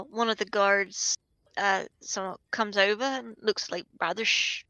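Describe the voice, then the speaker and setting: A woman's voice: mid-range voice, pushed and bright, no room sound. A woman narrating a tabletop game as game master, hesitant with many fillers.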